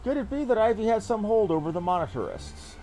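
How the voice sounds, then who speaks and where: Grave military captain for a fantasy game, played by a male streamer: formal, archaic, stern, lively intonation. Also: high voice, fast, soft background music, poor audio. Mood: stern, intent. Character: earnest military captain briefing an ally on a spy hunt. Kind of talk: reading fantasy game dialogue aloud.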